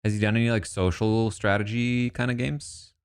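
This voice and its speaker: A man's voice: fairly low pitch, steady tone, normal speed, clean tone. A man casually commenting and thinking aloud as he reacts to news about a reality show cast. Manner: musing, thinks aloud, asides.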